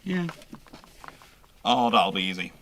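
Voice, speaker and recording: Low-voiced man thinking aloud. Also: very animated, slow, a bit bright, a little hiss or hum. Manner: thinks aloud, conversational, self-questioning. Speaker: host, naval historian. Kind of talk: casual live question-and-answer talk.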